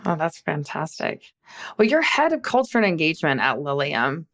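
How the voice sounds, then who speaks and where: Brief: curious, upbeat female podcast host with a gravelly, animated voice. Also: low-pitched, moderate pace. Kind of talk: interview.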